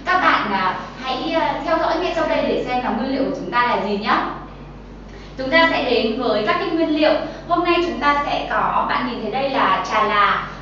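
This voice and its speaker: A woman's voice: sits high, expressive, moderate pace, a bit bright, very echoey, recorded from a distance, muffled recording, slight background noise. A young Vietnamese woman presenting a healthy-drink tutorial in a kitchen studio, chatty and full of filler sounds, talking straight to viewers. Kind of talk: cooking and nutrition tutorial. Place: bright kitchen studio set, indoors.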